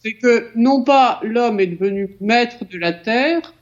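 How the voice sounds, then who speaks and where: A woman philosopher answering in a panel debate with measured explanation and small restarts. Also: on the high side, lively intonation. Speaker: philosopher guest. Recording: slightly dull lo-fi sound.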